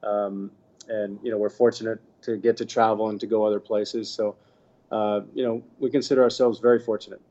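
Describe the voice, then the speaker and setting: A man in his fifties from the Bahamas, telling his story in a relaxed, chatty interview with lots of fillers. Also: lowish voice, fairly quick, lo-fi sound. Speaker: guest, former tennis pro. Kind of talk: casual interview talk.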